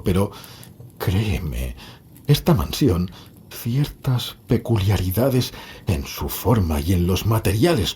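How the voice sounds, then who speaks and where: A man playing a frail, melancholy last heir of a doomed family in a gothic horror audio drama, brooding and halting in his delivery. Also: deep voice, a little mellow, slight background noise.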